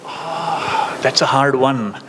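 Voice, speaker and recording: Deep-voiced South Indian man, echoey hall. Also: takes it slowly. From Karnataka, India. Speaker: symposium panelist. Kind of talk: on-stage rapid-fire interview answers. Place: large indoor hall with audience. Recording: echoey hall, noisy room sound.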